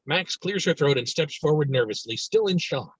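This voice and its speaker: Animated, high-pitched man narrating a screenplay. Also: moderate pace, slightly rough, no echo. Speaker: narrator reading stage directions. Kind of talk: lively screenplay narration at a table read. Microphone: video call. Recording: dull lo-fi video call audio.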